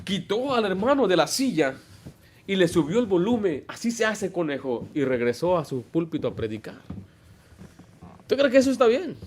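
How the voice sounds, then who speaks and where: A man's voice: sits high, very animated, moderate pace, pauses often, darkish tone. A man, preaching a Baptist sermon as pastor, emphatic and full of stories and rhetorical questions. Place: church.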